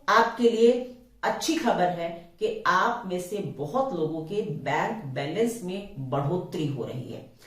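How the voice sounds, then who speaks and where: A woman astrologer, explaining forecasts and advising her viewers directly, slipping English terms into her speech. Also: lowish voice. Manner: mixes English terms into Hindi. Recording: very echoey room, voice far from the mic.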